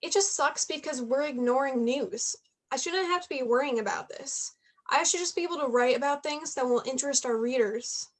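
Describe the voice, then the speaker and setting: A woman's voice: high voice, moderate pace. A woman playing an ambitious young journalist and loyal friend, frustrated at times, in a staged reading of a play. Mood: frustrated, venting.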